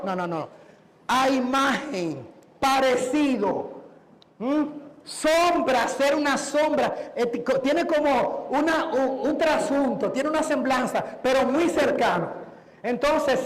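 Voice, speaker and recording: Man preaching a sermon, slow and drawn out, big echoey hall with long reverb. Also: extremely high pitch. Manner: emphatic, repeats key words, asks the audience questions.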